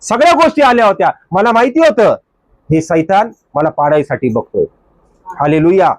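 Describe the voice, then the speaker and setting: Male pastor, high voice, fervent sermon, rhetorical questions and hallelujahs. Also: animated, normal speed, no echo. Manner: fervent, asks rhetorical questions, repeats phrases; punctuates with hallelujah.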